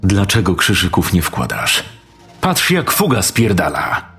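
A man's voice: low voice, wildly swooping pitch, measured pace, a bit bright, soft background music, exaggerated voice. A man voicing a hulking, furious male construction boss who swears and bullies his workers with scorn. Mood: scornful.

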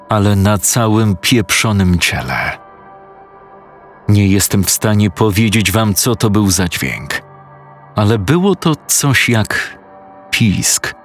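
A man with a lowish voice tells a first-person horror story, casual and crude, often poking fun at himself. Faint music plays under his narration. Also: fairly bright tone. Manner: crude, casual, self-mocking.

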